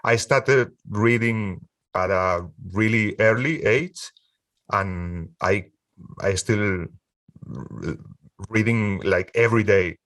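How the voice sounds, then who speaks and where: A Spanish man in his forties, a music producer speaking English as a second language in a casual interview, halting with frequent restarts and easy laughter. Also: fairly low pitch, a bit bright, no room sound, clean studio sound, recorded from a distance. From Spain.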